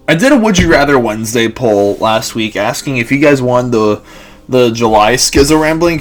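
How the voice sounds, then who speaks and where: A young man in his twenties rambling casually to camera, full of fillers and restarts. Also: medium pitch. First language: Lithuanian and English bilingual. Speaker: vlogger.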